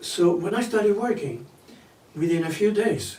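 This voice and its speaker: A man with a Spanish accent at a fairly slow pace, with audible room echo and noticeable background noise. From Argentina. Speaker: actor and singer. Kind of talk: interview.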